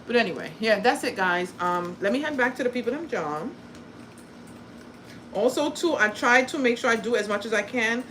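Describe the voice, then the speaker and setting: A woman born in Guyana and raised in the US chats on her crafting livestream in a somewhat high voice. She is blunt and profane, quick to poke fun at herself, and keeps it loose and casual. A faint hum of room noise sits behind her. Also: expressive, a bit bright, rough recording. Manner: blunt and profane, chatty, self-deprecating. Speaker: crafting content creator and livestream host.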